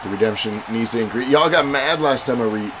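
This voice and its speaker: A man with a stuffy head cold hosts a livestream, chatting casually with viewers, reading donations and chat aloud, and calling matches. His medium-pitched voice is brisk and chatty, set against loud game music and crowd noise.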